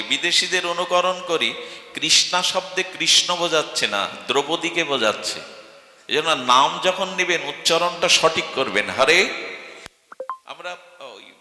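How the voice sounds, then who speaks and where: A man's voice: on the high side, pushed and bright. A man from Bengal preaching a devotional sermon, telling stories dramatically and asking rhetorical questions. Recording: echoey hall with long reverb.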